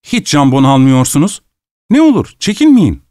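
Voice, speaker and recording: A man's voice: fairly high pitch, moderate pace, a little mellow, clear, resonant tone, dry recording, studio quality, voice pushed up, lightly acted. A man voicing a wealthy male host who forces cheerful politeness while fury builds, his manner strained and overly courteous. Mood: forced cheer. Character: rich host forcing cheer through rising fury, male.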